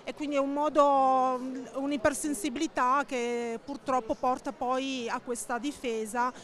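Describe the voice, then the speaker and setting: A woman in her forties speaks in a high voice, hesitant and full of fillers as she searches for words. She is interviewed at an exhibition stand through a handheld microphone. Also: steady tone, measured pace. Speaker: association representative. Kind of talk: interview at a book fair stand. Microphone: handheld interviewer mic.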